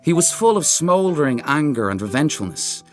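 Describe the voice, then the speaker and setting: A man narrating literary fiction as an audiobook reader, with dramatic, measured storytelling. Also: on the high side, big pitch swings, faint music behind. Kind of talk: expressive scripted literary narration.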